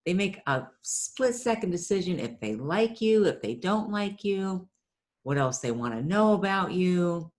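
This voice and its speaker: Chatty middle-aged woman from ohio, lowish voice, keeps repeating words when she restarts. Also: lively intonation, unhurried, darkish tone. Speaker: guest, marketing business owner. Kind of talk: conversational storytelling interview.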